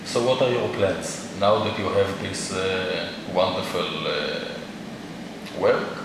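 Slow-spoken male interviewer, echoey room. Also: low voice, fairly even intonation, gravelly. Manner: slow, measured, polite questioning. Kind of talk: interview questions. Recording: echoey room, distant mic, noisy.

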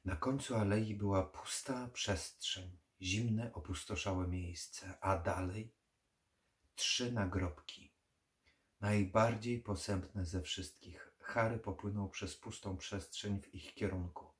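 A man reading a horror novel aloud in a slow, measured, dark manner. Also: lowish voice, steady tone. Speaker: audiobook reader. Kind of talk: horror audiobook narration.

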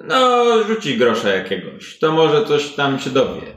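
A man's voice: mid-range voice, huge pitch swings, measured pace, fairly bright tone, voice pushed down. A brusque fantasy streetwalker woman, played by a man at a gaming table, territorial and impatient. The talk is curt and repetitive, in a roomy space with faint music behind. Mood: guarded, haggling. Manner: curt, colloquial, repetitive, haggling. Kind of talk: tabletop role-play in character.

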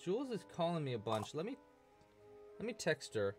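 This young man's voice is fairly high and a little mellow, with huge swings in pitch and a slightly fast pace, set against soft background music. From a small room at home, he streams a crochet tutorial, playfully chatting, reading out chat messages, and laughing as he goes.

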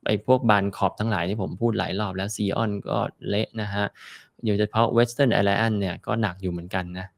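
A man's voice: fairly low pitch, fairly even intonation, moderate pace, creaky, no room sound. A man giving casual market commentary, chatty and explaining with everyday comparisons. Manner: chatty, explains with homely comparisons, ends phrases with soft particles. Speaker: finance commentator.

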